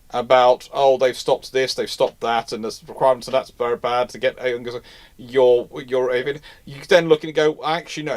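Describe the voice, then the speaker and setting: A man hosting an unscripted live question-and-answer chat, rambling and restarting his phrases mid-thought. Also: mid-range voice. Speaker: host of a live naval history question show.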